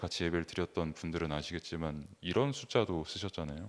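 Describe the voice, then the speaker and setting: A man speaks at a moderate pace in a very deep, low pitch. The recording is very clean with a silent background. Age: 30s. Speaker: youth pastor. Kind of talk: sermon. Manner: conversational.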